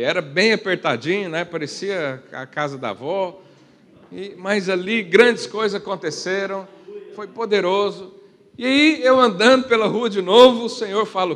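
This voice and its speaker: A man preaching a sermon, firing rhetorical questions and swinging from quiet to loud. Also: fairly high pitch. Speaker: pastor. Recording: long reverb of a church hall.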